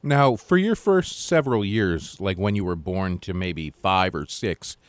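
A man's voice: low voice, animated, unhurried, smooth, no room sound. A man on a talk show asking the host short, probing questions. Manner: asks short probing questions and brief reactions. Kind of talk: casual radio talk show chat.

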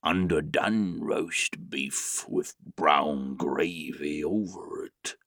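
A man plays a brave storybook dog with a deep, growly mumble. The words come out very slowly, close and dry. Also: a bit bright, no echo, full character voice. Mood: drowsy. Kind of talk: storybook character voice.

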